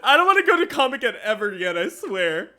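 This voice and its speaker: This is a young man hosting a game livestream and chatting with viewers. His voice sits high and moves all over the place, animated and quick to laugh. Faint music plays quietly underneath. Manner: animated, laughs often, heavy use of "like". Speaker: game streamer. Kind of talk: casual livestream chat answering viewers.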